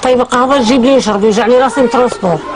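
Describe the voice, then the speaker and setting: Noticeable background noise accompanies a woman with an Algerian accent. Her pitch is high and her intonation fairly even. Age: 80s+. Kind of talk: interview answer.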